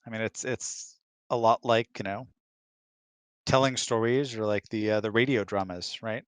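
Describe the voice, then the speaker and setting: Laid-back man, slightly low, dry-humoured. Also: steady tone, normal speed, smooth, dry recording. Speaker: husband of the host, guest. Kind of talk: casual chat, answering questions.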